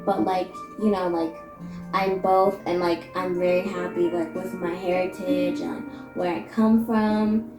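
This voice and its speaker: A woman's voice: fairly low pitch, steady tone, unhurried, echoey room. Young Canadian woman vlogger; laid-back, filler-heavy chat with music playing behind. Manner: casual, filler-heavy with lots of "like". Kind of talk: casual chat.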